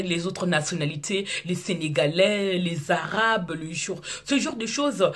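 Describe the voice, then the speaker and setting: Outspoken husky woman from Congo. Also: fairly low pitch. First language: Lari. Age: 30s. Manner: outspoken, repetitive, halting restarts. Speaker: video blogger. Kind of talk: casual monologue to camera.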